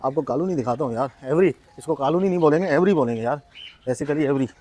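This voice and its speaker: Excited man touring an aviary. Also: on the high side, fast. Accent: Pakistani Urdu. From Pakistan. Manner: excited, exclaiming often. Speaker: vlogger touring a bird aviary. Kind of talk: casual walk-through vlog. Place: outdoor open aviary at dusk. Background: birds chirping.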